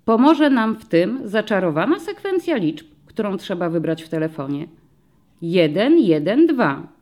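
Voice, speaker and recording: A woman voicing a patient, friendly male police commissioner who explains things slowly to young children in an audiobook story. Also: medium pitch, very animated, darkish tone. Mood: explaining.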